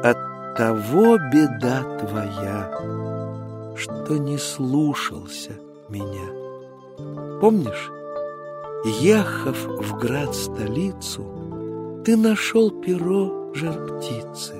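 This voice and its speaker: A reader voicing a gentle, wise little humpbacked horse who speaks low and soothing in a storybook verse tale. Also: lively intonation, very slow, pauses often, music in the background.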